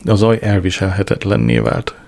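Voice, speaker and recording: A man reading a comic diary aloud as an audiobook narrator, with a dry, deadpan delivery. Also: sits low, vocal fry.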